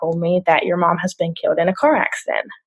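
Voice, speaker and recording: A woman speaks with a North Carolina accent. Her pitch is medium for a woman. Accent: Southern US (North Carolina). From North Carolina, Greenville. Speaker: grief coach. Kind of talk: podcast interview.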